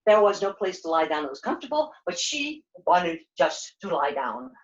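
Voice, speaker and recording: A woman's voice: on the low side, sing-song, normal speed. A woman puppeteer telling a children's puppet-show story as its narrator. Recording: dull lo-fi sound.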